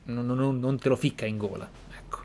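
A man's voice: mid-range voice, steady tone, brisk, warm tone, slight background noise. A man giving casual, reflective roleplay commentary on a video game, explaining and repeating words for emphasis. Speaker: gaming streamer, player. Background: game sound.

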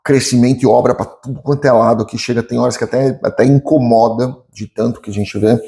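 Speaking quickly in a warm, medium-pitched voice with vocal fry and fairly even intonation, a Brazilian-accented man in his forties gives informal explanatory commentary to camera. A lawyer and business commentator, he is opinionated and conversational, repeating points for emphasis indoors in a bookshelf-lined study or home office.

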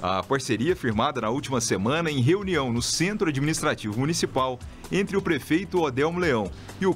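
A man from Brazil reading scripted local news as a radio presenter, in a steady announcer delivery. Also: a little high.

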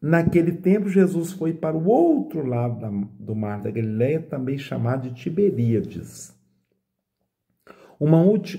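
In a small indoor space, a middle-aged Brazilian priest talks into a nearby phone camera, reading scripture and explaining it slowly and reflectively. His medium-pitched voice is mellow with vocal fry, and "né?" comes up often.

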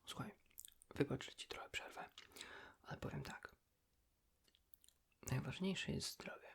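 Guy doing asmr friend chat, hushed whisper, bit crackly, unhurried. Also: medium pitch, sing-song. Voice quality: soft breathy whisper. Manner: hushed, intimate, unhurried, addressing the listener as a friend. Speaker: ASMR creator, host.

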